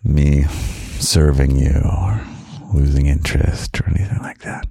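A young man hosting a podcast of gentle, half-whispered comfort talk, slow and soft with quiet chuckles, close to the microphone. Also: very deep voice, gravelly, no echo. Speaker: podcast host.

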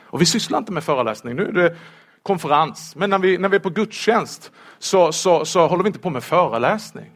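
A man preaching a sermon in church, lively and humorous, asking rhetorical questions of the congregation. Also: high voice.

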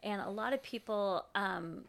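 A woman's voice: mid-range voice, measured pace, creaky, fairly bright tone. A woman co-hosting a Christian teaching talk, encouraging listeners and repeating words as she builds her points. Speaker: Christian teaching show co-host. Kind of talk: conversational Bible teaching.

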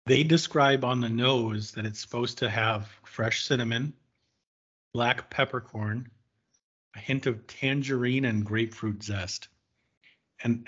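A man's voice: mid-range voice, fairly bright tone, breathy edge, dull audio. A man hosting a casual whiskey tasting, thoughtful and searching for words, with frequent fillers.

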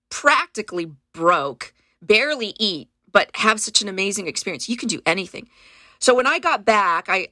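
A woman's voice: lowish voice, bright, forceful tone, no echo. A woman in her fifties from California, Spanish her first language, talking earnestly through her past in an interview and often restarting her sentences. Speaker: guest. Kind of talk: reflective interview conversation.

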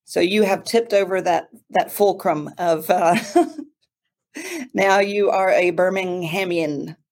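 A woman hosting an interview podcast, reading a guest's introduction and asking relaxed questions. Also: on the low side, slow pace. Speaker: podcast host.

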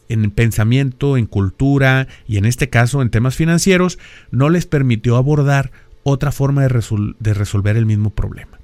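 A middle-aged Mexican man with a northern accent talks through a podcast topic like a lecturer, pausing on rhetorical questions. His voice sits at an ordinary middle pitch and is recorded close and dry, with no room sound around it. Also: a little mellow, smooth, dry recording. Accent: Mexican (northern, Monterrey). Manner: lecturing, peppered with rhetorical questions and tag "¿verdad?". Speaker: podcast host. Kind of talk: explanatory podcast monologue.

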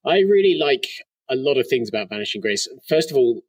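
A man's voice: mid-range voice, very animated, brisk, breathy edge, dry recording, distant mic. A man co-hosting a casual podcast chat through a muffled mic that sounds like a tin can, with lots of "like" fillers. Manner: chatty, many "like" fillers. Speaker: co-host.

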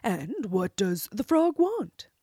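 A stern old king, as a woman reading a fairy tale puts him on gives firm commands. His voice stays near her own but louder and heavier. The recording is dry and close, slightly breathy. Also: medium pitch, big pitch swings, takes it slowly, no echo, full character voice.

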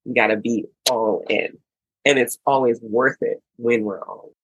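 A woman's voice: extremely low pitch, fairly even intonation, normal speed, husky, no room sound, low-quality recording. An American woman co-hosting a casual podcast chat, chatty and playful. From United States. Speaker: podcast co-host.

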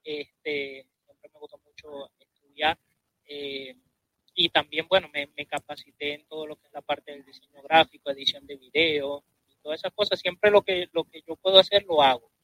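A man's voice: on the high side, moderate pace, a bit bright, no room sound, poor audio. A man, a guest musician on a live interview, talking hesitantly with many fillers. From Venezuela.

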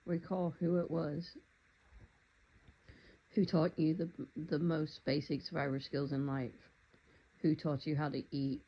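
Calm, even-toned meditation guide. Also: medium pitch, slightly rough, highs cut off. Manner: calm, unhurried, gently instructive.

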